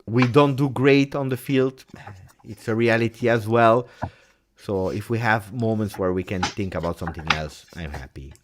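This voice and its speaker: A man hosting a casual live stream, talking in an animated way with many fillers and repeated words. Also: fairly low pitch, moderate pace, background noise. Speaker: host of a fan channel.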